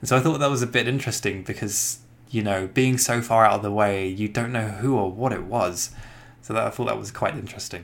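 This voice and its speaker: Here is a man with a British accent at medium pitch. He moves at a fairly quick pace with ordinary pitch variation. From United Kingdom. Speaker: listener. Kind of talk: recorded retold ghost story.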